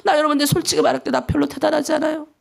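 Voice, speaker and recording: A woman's voice: sits high, steady tone, very fast, vocal fry. A woman pastor from North Korea with a North Korean accent, preaching an emphatic dawn prayer sermon and acting out pleading prayers.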